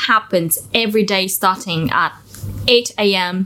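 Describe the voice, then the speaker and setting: Noticeable background noise behind a fairly slow, medium-pitched female voice with ordinary pitch variation. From Vietnam. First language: Vietnamese. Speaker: podcast guest. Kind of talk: casual chat; educational explanation. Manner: hesitant.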